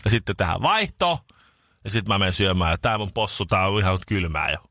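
Bright-voiced man telling a rambling story. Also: low-pitched, no room sound, clean studio sound. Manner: rambling, animated anecdote with many restarts. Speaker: radio morning show host. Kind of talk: casual storytelling chat.

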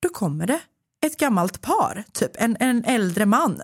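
A young woman hosts a podcast and tells a long story in lively, casual chat. She swears freely and acts out the other people's lines as she goes. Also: fairly high pitch, husky. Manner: animated, swearing, acts out dialogue. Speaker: podcast host.

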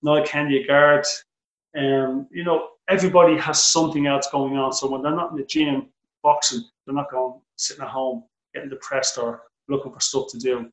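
A middle-aged man with an Irish accent, a boxing coach answering interview questions, animated and restarting his sentences often. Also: medium pitch, normal speed, echoey room, rough recording. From Ireland. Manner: animated, repeats words when starting sentences.

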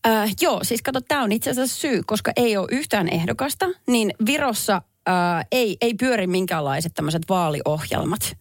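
A woman's voice: mid-range voice, few pauses, no echo, studio quality. A woman co-hosting a morning radio show, chatting casually and reading out news items with frequent laughs. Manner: lively, laughs often, reads news casually. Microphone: studio microphone.

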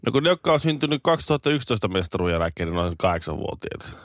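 A man's voice: lowish voice, very animated, no room sound, studio quality. A man in his thirties co-hosting a morning radio show, talking in a hesitant, rambling way. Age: 30s. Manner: hesitant, rambling, many restarts. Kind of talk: casual radio chat. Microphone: studio microphone.

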